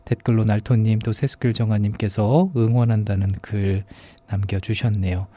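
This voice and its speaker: A man's voice: lowish voice, steady tone, normal speed, warm tone. A man hosting a radio show in a casual, conversational way. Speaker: radio show host, announcer.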